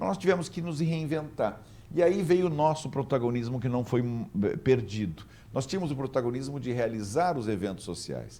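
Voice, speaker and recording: His dark, mellow tone sits at a medium pitch as the man speaks at a moderate pace with lively intonation. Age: 60s. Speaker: cultural institute director. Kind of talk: web talk show interview.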